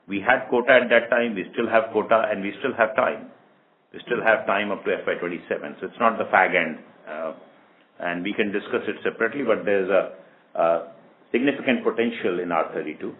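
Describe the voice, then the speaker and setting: A man answering analysts as a company executive on a conference call, in a measured, deliberate way. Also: low voice. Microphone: conference call line. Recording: muffled lo-fi call, background noise.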